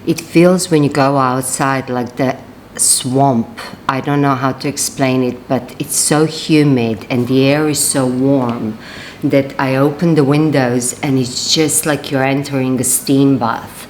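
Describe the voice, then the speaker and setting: A woman's voice: extremely low pitch, steady tone, measured pace, a little mellow, a little hiss or hum. A woman in her forties from Serbia, chatting casually in a rambling vlog with lots of fillers and restarts. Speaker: vlogger.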